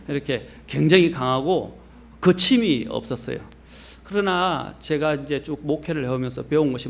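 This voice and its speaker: A middle-aged male pastor from Korea's Gyeongsang region with a faint Gyeongsang accent, giving a measured, earnest sermon that rises to stress points and drops low at phrase ends. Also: vocal fry.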